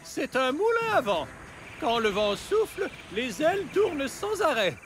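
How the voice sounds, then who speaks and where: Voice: sits high, big pitch swings, unhurried. An actor playing a chatty, self-important little robot sidekick in a children's cartoon, with pompous, mock-scientific phrasing. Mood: explaining. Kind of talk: animated children's cartoon dub. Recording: music behind the voice.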